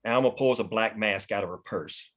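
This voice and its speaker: A man with a fairly low voice reads scene headings and action lines. His scripted narration is matter-of-fact, as at a screenplay table read. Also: moderate pace, a bit bright. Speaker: stage-direction narrator.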